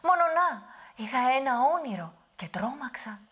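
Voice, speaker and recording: Storybook witch granny, fussy, husky and shrill, played by a woman. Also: sing-song. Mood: coaxing. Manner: high, loud, scolding and cooing. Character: old witch grandmother of the giant, fussing, doting.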